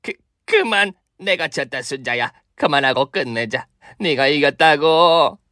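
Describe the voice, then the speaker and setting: A man's voice: mid-range voice, expressive, moderate pace, bright, forceful tone, no echo, clean studio sound. A man voicing a shameless, freeloading older mother-in-law in a comic radio drama, melodramatic and wheedling. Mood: defeated, pleading.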